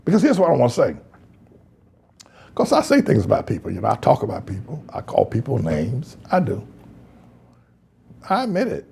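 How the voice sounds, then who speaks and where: A pastor hosting a news blog, giving fiery, mocking, rambling biblical commentary on politics. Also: male voice, mid-range voice, wildly swooping pitch, moderate pace, gravelly, pauses often, mellow, husky.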